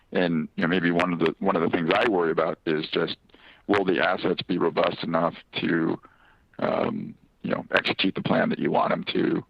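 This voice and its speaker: A man's voice: sits low, gravelly, a little hiss or hum. A man working as a financial analyst, asking questions informally on an earnings call with tentative, roundabout phrasing. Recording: dull lo-fi phone conference audio.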